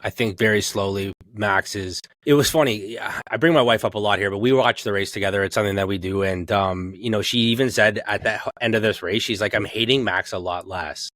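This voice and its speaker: A man's voice: fairly low pitch, brisk, few pauses, a bit bright, no echo. A man co-hosting a podcast, chatting casually about sports in a colloquial, rambling way and slipping into imagined quotes. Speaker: podcast co-host.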